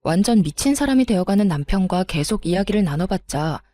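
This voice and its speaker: A woman's voice: medium pitch, lively intonation, fairly quick, warm tone, no room sound, soft background music. A woman telling her own story in the first person, cold and cutting as she confronts her husband.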